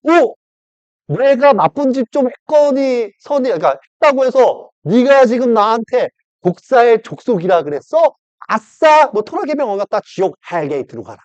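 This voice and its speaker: Man voicing a mocking Satan, high shrill sneer, singsong taunts, dry dull sound. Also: big pitch swings, normal speed, darkish tone, dry recording. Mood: gloating.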